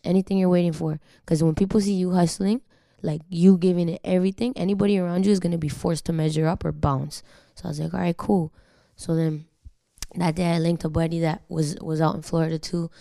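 A woman's voice: lowish voice, steady tone, fairly quick, vocal fry, warm tone, no echo, clean studio sound. A young woman from Canada whose first language is Spanish, talking candidly as an interview guest, slangy and swearing freely. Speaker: guest singer. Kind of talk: casual interview talk.

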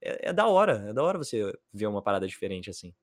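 A man from Brazil in a casual chat, recommending series and films in a relaxed, enthusiastic way. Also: fairly low pitch, fast talker, no room sound, clean studio sound.

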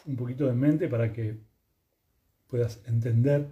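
A man with a Rioplatense Spanish accent giving a calm, unhurried yoga lesson, speaking gently with pauses. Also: mid-range voice, lo-fi sound. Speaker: yoga teacher. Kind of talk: reflective spoken lesson.

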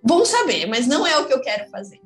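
A woman's voice: high-pitched, very animated, fast talker, soft background music. A woman in her thirties from São Paulo with a Brazilian Portuguese accent, speaking as an interview guest in a reflective, frank, thinking-aloud way. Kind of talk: candid conversational interview. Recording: echoey room.

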